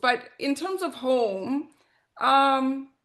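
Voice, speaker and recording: With lively intonation, a woman's voice sits high in pitch. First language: a Southern African language, not English. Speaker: novelist and panelist. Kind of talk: panel discussion. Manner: halting, with many fillers.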